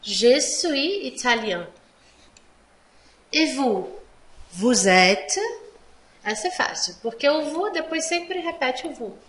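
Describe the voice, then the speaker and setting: Slow patient woman teaching French. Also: sits high, very animated, fairly bright tone, echoey room. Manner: mixes Portuguese explanations with French examples. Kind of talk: online language lesson.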